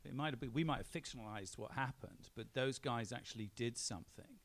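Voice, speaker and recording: A man's voice: medium pitch, brisk. A man from Belfast giving opinionated answers on a live panel, emphatic and repeating phrases to drive points home. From Belfast, Northern Ireland. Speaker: film director, panel guest. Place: on stage at a film premiere event.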